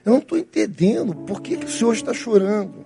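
A Brazilian male pastor playing a rough, bewildered older apostle questioning his master in a sermon retelling. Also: high-pitched, sing-song, a little fast, music in the background, heavily acted. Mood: puzzled. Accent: Brazilian Portuguese. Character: blunt, puzzled older fisherman apostle.

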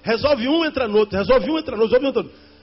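A man's voice: extremely high pitch, lively intonation, rapid-fire, slightly rough. A male pastor preaching a sermon, addressing the congregation directly and repeating key lines for emphasis. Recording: dull lo-fi sermon recording with faint music.

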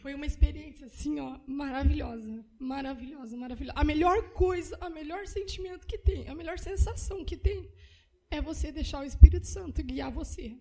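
A woman's voice: high voice, a little fast, mellow, low-quality recording. Emotional woman giving church testimony. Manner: emotional, repetitive storytelling.

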